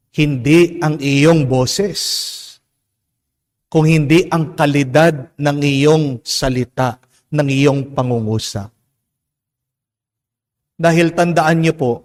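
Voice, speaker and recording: Man, Filipino accent, priest's homily, emphatic, very slow delivery, long church echo. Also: on the high side, a little mellow. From Philippines. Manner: slow, emphatic preaching with drawn-out words and rhetorical questions. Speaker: Catholic priest. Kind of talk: homily mixing Tagalog and English.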